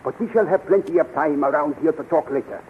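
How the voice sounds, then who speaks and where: An actor playing an earnest, scheming scientist with urgent, deliberate delivery in a 1930s radio serial. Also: male voice, a little high, close to an everyday voice. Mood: calm. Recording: tinny, hissy 1930s radio recording.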